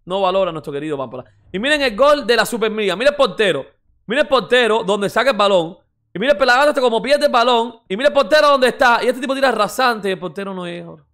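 Reaction host, male, high-pitched and quick, mocking and rambling with slang. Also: a bit bright. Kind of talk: excited casual reaction commentary.

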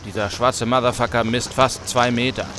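A man's voice: medium pitch, steady tone, moderate pace, close to an everyday voice. Streetwise man played by an actor, noisy background. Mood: matter-of-fact. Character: cocky, teasing, streetwise buddy. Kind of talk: German radio play dialogue.

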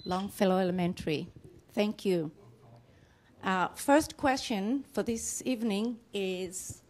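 A middle-aged woman hosts a panel with an upbeat, welcoming manner. Her voice sits at a mid pitch. She speaks into a handheld mic in a classroom. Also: slow, darkish tone. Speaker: class host. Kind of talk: moderating a panel.

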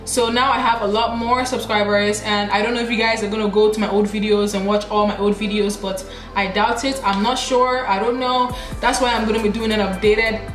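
Chatty woman vlogging in an echoey room. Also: mid-range voice. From Nigeria. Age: late 20s. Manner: chatty, laughs at herself, addresses viewers directly. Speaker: YouTuber. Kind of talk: casual get-to-know-me vlog. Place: small indoor room.

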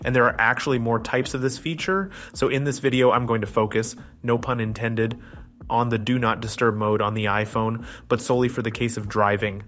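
Guy doing a scripted tech how-to voiceover, average pitch, methodical step by step explaining. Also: fairly bright tone. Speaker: tech tutorial presenter.

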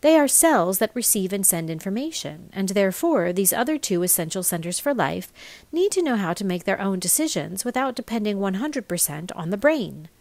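A woman reading a scripted explainer aloud as a voice-over narrator, with measured enunciation. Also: mid-range voice, sing-song, darkish tone, no room sound. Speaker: voice-over reader.

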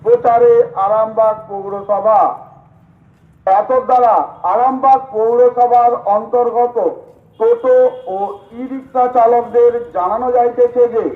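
A man's voice: very high-pitched, little pitch movement, measured pace. A man reading a formal scripted public announcement in a PA system manner. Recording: echoey, slightly muffled PA recording.

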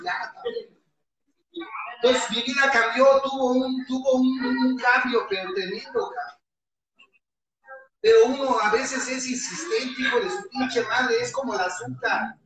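A man with a Mexican accent pours out a raw, profanity-filled testimony, his voice cracking with emotion. He sits high in pitch and sounds distant from the mic. The long echo of a meeting hall and a listening crowd surround his words. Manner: heavily profane, impassioned, voice often breaking. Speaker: recovering alcoholic giving testimony. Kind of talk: impassioned testimony at a support-group meeting. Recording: echoey hall, mic far off, crowd behind.

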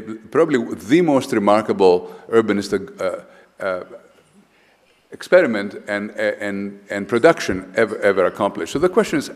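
An older man from Greece lectures from a lectern in a large hall, his voice trailing into a long reverb. He speaks in a lowish register and talks emphatically, stumbling over restarts and repeated words. The sound comes from a live conference recording. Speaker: architect giving a conference lecture.

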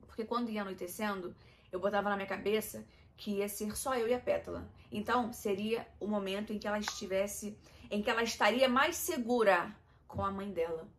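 Speaking fairly quickly in a medium-pitched voice over slight background noise, a young Brazilian woman vlogs about personal matters. She is emotional and open, addressing her viewers as "gente" in a confiding tone, and her accent is Brazilian Portuguese.

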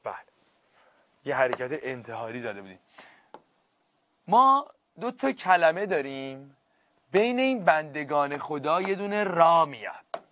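A male teacher giving a classroom grammar lesson, stretching key words out slowly for emphasis and checking often that students follow. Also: fairly high pitch, very animated, a bit bright.

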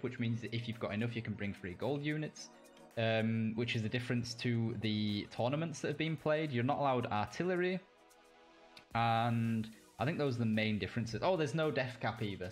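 A young British man casting a live video game match, reacting quickly and cracking jokes between calls. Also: medium pitch, soft background music. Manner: quick reactive play-by-play, jokey asides. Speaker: caster. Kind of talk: live esports play-by-play commentary.

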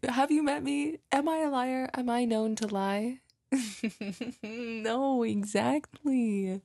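A woman's voice: mid-range voice, darkish tone, no room sound. A woman playing a doting, lovey girlfriend in an intimate, cooing roleplay ASMR, tenderly comforting and gushing over her partner up close. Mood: playfully incredulous, gushing. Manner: cooing, gushing, breathy, often giggling. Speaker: roleplay audio performer.

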